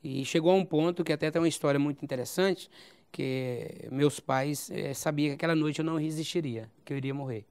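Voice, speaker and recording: A man in his forties with a Brazilian accent from Goiás, a pastor telling his life story as a guest in an interview, with a halting style that often repeats phrases and adds "né?". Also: fairly high pitch, a little mellow, clean tone. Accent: Brazilian Portuguese, Goiás. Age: 40s. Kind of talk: recounting a personal testimony.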